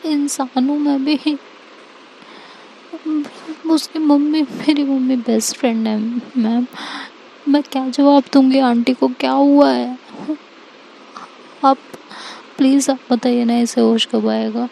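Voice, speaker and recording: A woman's voice: sits high, steady tone, takes it slowly, gravelly, long pauses, mellow, slight background noise, voice pushed up, exaggerated voice. A woman voicing a panicked teenage schoolgirl who keeps begging her teacher for help. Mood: distressed. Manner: pleading, repeats please and ma'am.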